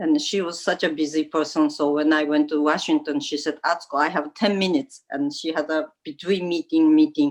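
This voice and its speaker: A woman speaks with a Japanese accent. Her pitch varies in an ordinary way. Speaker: businesswoman and philanthropist. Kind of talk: interview. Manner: halting; animated.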